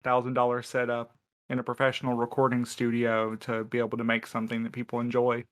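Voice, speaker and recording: A man with a clean, resonant, mid-pitched voice chats casually on a podcast. His delivery is dry and self-deprecating. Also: monotone, fast talker, fairly bright tone. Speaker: podcast crew member. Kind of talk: casual chat.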